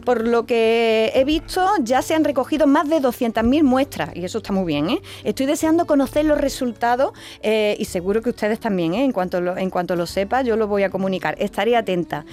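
A woman's voice: on the high side, lively intonation, a little fast, hardly any pauses, darkish tone. Chatty Andalusian woman on the radio. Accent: Andalusian (Jaén). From Alcaudete, Jaén, Andalusia. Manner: chatty, explanatory, keeps adding tag questions. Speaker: radio section presenter. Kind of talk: radio talk segment. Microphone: studio microphone.

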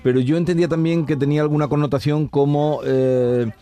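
Man, Andalusian accent, radio host, casual chat, relaxed, short replies. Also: a little high, brisk, smooth. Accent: Andalusian Spanish.

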